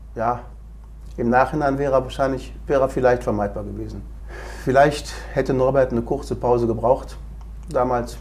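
Noticeable background noise runs behind this man as he talks at a fairly quick speed. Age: 60s. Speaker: football club official. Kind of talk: casual chat.

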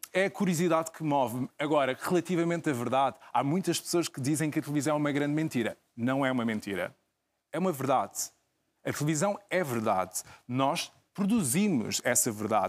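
A man speaks with an unremarkable speaking voice at a fairly high pitch. His intonation is lively. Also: fairly quick pace. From Brazil. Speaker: documentary filmmaker. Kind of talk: interview.

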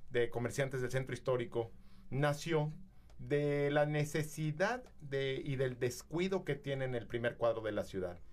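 A man speaks in an unremarkable speaking voice. It is fairly high in pitch and fairly slow in pace. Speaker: president of a merchants' association. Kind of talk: radio interview.

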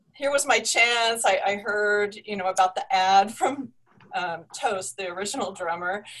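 A woman speaks at a fairly slow pace with an American accent. She has an unremarkable speaking voice. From Oklahoma. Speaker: guitarist and singer in a surf band. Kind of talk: casual interview chat.

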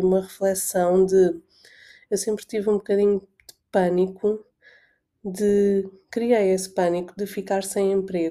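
A woman's dark, mellow voice with a European Portuguese accent, medium in pitch, flat and monotone, at a fairly slow pace. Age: 30s. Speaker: podcast host. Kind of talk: casual monologue. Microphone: computer's built-in microphone.

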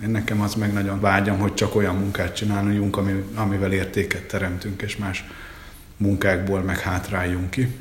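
Over noticeable background noise and audible room echo, a man talks at a moderate pace. His pitch is fairly low and his intonation is monotone and flat. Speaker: company founder and managing director. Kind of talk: interview.

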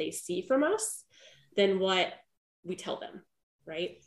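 With an ordinary speaking voice, a woman talks at medium pitch and moderate speed. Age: 30s. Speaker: podcast host and health coach. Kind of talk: casual interview chat.

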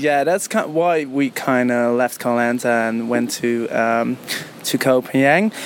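With a Dutch accent, the speaker talks at a fairly slow pace with ordinary pitch variation over noticeable background noise. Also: man. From Netherlands. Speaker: software developer. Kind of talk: casual chat. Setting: outdoors at a beach bar.

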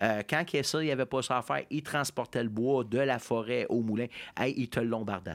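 A man's medium-pitched voice, fairly quick, with ordinary pitch variation, on a very clean recording with a silent background. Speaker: brewery spokesperson and storyteller. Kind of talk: storytelling. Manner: animated.

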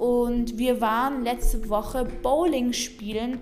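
A woman's high voice, with ordinary pitch variation, is heard through audible room echo and noticeable background noise. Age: young. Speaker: podcaster. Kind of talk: casual chat.

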